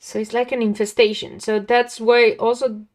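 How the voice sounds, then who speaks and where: A young woman with a calming voice chatting casually with viewers while she draws on a livestream. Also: a little high, moderate pace. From lives near a big Dutch city. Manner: chatty, talks to chat viewers, laughs often. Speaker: art livestream host. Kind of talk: casual chat while drawing.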